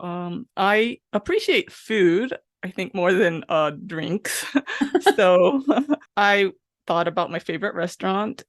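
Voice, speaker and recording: A woman, a guest answering thoughtfully with soft laughs and frequent pauses. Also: on the low side, dry recording, studio quality. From Japan, raised in Texas. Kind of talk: casual interview chat.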